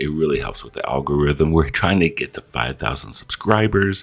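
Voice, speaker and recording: A man's very deep, low voice with vocal fry, ordinary pitch variation and a moderate pace. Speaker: YouTube reaction creator. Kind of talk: casual vlog intro. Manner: speaking low; hesitant, filler words.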